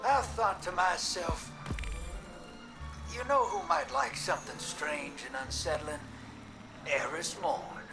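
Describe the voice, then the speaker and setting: A man's voice: high-pitched, lively intonation, takes it slowly, creaky, long pauses, full character voice. A man playing a roguish, folksy drifter in a video game, wisecracking and teasing in a laid-back drawl. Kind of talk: video game dialogue acting. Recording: music behind the voice.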